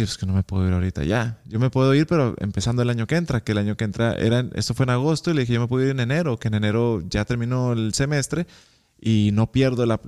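Young Mexican man, casual interview guest, lively storyteller who acts out quoted lines. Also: lowish voice, clean tone. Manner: animated, acts out quoted dialogue.

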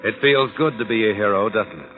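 An actor playing an ominous, all-knowing narrator who taunts in 1940s radio drama style. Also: male voice, lowish voice, brisk, phone-quality sound, a little hiss or hum, natural voice. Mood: knowing, taunting. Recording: band-limited old radio recording, music behind.

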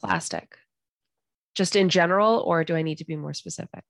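A woman's voice: lowish voice, a little fast, creaky. Stuffy-nosed, jokey woman co-host. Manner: self-deprecating, jokey. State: stuffy from a cold. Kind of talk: casual podcast chat.

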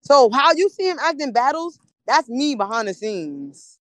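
A woman's voice: sits high, sing-song, normal speed, no room sound. A woman battle rapper, a podcast guest, talking in casual chat and repeating phrases to drive her points home.

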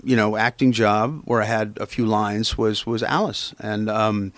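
A middle-aged man with a slight rasp from a cold, telling rambling career stories with lots of fillers in a casual interview. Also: fairly low pitch, fairly even intonation, no echo. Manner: rambling, halting storytelling with many fillers. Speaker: actor and voiceover artist. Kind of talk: casual podcast interview chat.

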